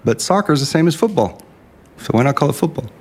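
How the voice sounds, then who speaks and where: An American man speaking casually, relaxed and hesitant with fillers. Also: fairly high pitch, quick pace.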